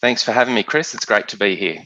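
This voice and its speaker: A man in his fifties with an Australian accent tells his story at an easy, measured pace. His voice sits very low yet comes across bright and forceful. The recording is dry and sounds dull and lo-fi. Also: dry recording. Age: 50s. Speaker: guest trader. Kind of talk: storytelling interview answers.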